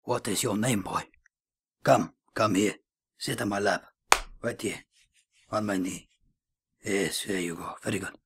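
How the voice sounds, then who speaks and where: A man voicing a lecherous, coaxing creep in a hushed, slow manner for dark comedy. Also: fairly low pitch, breathy edge, soft background music, heavily acted.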